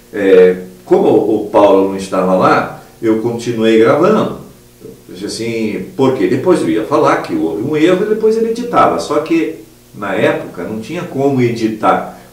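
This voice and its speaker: At a moderate pace, a man with a medium pitch makes very wide pitch swings while noticeable background noise runs underneath. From Brazil, Santa Catarina born, Paraná broadcaster. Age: 50s. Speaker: radio and TV announcer and newscaster. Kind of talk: interview answer, storytelling anecdote about broadcasting. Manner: casual, conversational, animated.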